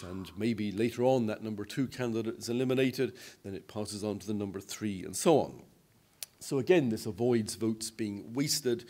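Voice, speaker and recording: An older man giving an explanatory presentation to a convention in a hotel conference room, measured and patient, with frequent small restarts. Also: lowish voice, darkish tone.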